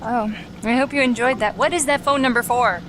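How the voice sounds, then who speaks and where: A woman's voice: a little high, a little fast, noisy background. A woman hosting a video game let's play, talking casually and joking about herself. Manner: chatty, self-mocking and joking. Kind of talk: casual gameplay commentary.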